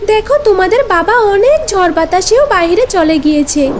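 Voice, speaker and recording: A woman's voice: very high voice, expressive, moderate pace, a little hiss or hum. A woman voicing a caring, anxious cartoon mother bird in a pleading, earnest way. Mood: tender, earnest. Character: caring, anxious mother tailorbird with tender devotion.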